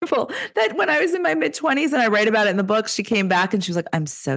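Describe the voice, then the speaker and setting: With an American accent, a woman speaks using very wide pitch swings and vocal fry. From New England (rural Connecticut). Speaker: author and educator. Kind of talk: interview. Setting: video call.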